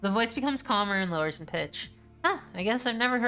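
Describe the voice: The clip is plain reading aloud. Nothing beyond that is done with the text.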